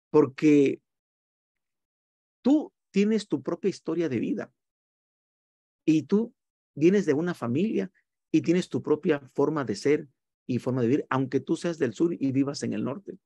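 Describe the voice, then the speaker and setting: Gravelly man lecturing. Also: on the high side, mellow, dry recording. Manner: earnest, teacherly, with many fillers. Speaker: speaker on evangelism. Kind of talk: lecture on preaching. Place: home, on a video call. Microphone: video call.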